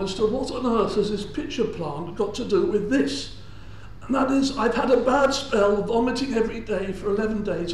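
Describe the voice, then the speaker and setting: An older man with a southern English accent giving a public science lecture in a large hall. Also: sits high. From England. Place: large indoor lecture hall before an audience. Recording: echoey lecture hall, faint noise.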